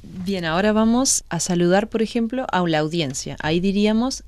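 A woman's voice: medium pitch, moderate pace, a little mellow, no echo. A woman co-hosting a radio language lesson, announcing segments and repeating phrases after the teacher. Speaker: co-host and learner.

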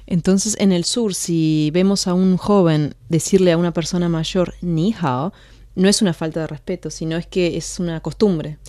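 Woman co-host, engaged and conversational, warm lowish tone, dry studio mic. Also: fairly even intonation, moderate pace, dry recording. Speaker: co-host, learner. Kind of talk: language lesson, repeating words and chatting.

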